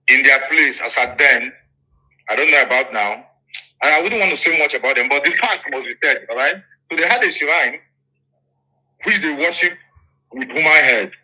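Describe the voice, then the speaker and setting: A Nigerian man recounts events as an interviewee in a very bright, pressing voice that sits a little high. He speaks emphatically, repeats his phrases for weight and keeps checking that the listener is with him. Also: rough recording. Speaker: interviewee, politician. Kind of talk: interview storytelling.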